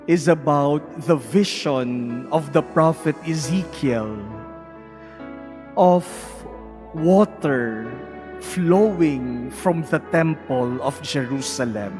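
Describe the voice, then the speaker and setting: A Filipino-accented male priest preaching at an unhurried, deliberate pace in a fairly high voice. His words ring out with a long cathedral echo through a large church. Faint music sits underneath. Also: a little mellow. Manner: slow, measured liturgical delivery. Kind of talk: gospel reading and homily.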